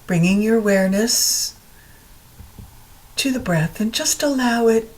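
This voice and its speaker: Slow-paced woman guiding meditation. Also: on the high side, slight background noise, poor audio. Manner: calm, soothing, unhurried with long pauses. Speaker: yoga nidra meditation teacher. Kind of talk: guided meditation narration.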